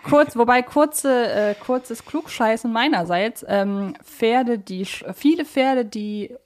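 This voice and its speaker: A woman's voice: on the high side, slow, darkish tone. A woman with a German accent co-hosting a casual podcast, explaining details somewhat hesitantly. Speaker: podcast co-host. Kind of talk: casual fan-podcast discussion.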